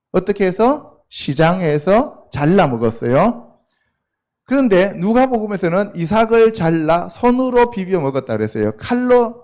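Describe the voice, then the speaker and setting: A man's voice: high voice, a little mellow. A male pastor preaching a sermon to a youth congregation in a loose, conversational way, often asking the listeners questions and answering them himself.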